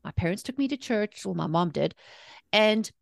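A woman's voice: mid-range voice, expressive, moderate pace, creaky, no room sound, studio quality. A woman in her forties with a South African accent, telling personal stories in a chatty, emphatic interview style. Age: 40s. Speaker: podcast guest, mindset coach and author. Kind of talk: conversational interview storytelling.

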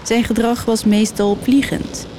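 A woman narrating a legend as a storyteller, reading in a measured, dramatic way. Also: fairly high pitch, level tone, a little mellow, slight background noise. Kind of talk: scripted narration.

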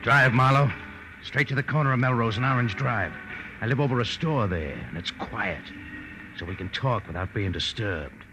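A man's voice: mid-range voice, animated, normal speed, music in the background, close to an everyday voice. An actor playing a rugged, insistent gunman on the run, blunt and urgent, in a 1940s radio crime drama. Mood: commanding. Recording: noisy, crackly vintage radio recording.

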